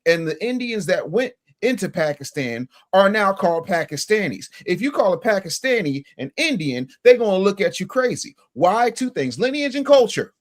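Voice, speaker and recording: Male panelist, forceful and lecturing, lively higher voice. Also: moderate pace, few pauses. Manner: emphatic, argumentative, lecturing with rhetorical questions. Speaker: podcast panelist. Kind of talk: heated panel discussion.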